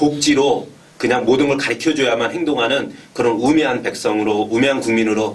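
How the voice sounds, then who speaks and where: Noticeable background noise and audible room echo fill the space. Within it, a man speaks at a moderate pace. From South Korea, Paju (Gyeonggi). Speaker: party politician. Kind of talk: interview. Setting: newspaper office.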